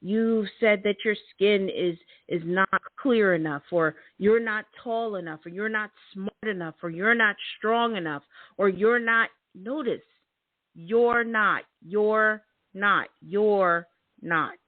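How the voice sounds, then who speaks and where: Slow, emphatic woman on a phone-like line. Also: medium pitch, no echo. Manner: emphatic, repeats key words, laughs often. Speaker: host. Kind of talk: motivational talk. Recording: thin phone-like sound.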